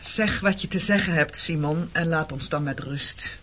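An actress in a Dutch radio play playing a bitter, defiant middle-aged woman who speaks reproachfully with a sharp tongue. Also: sits low, normal speed, a little hiss or hum. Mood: indignant. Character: bitter, defiant woman confronting an old comrade. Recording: dull, muffled radio play recording.

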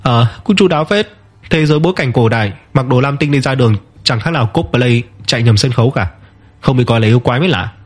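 A man voicing a wry, self-assured young hero in an audio story, with a husky tone. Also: medium pitch, animated, fast talker.

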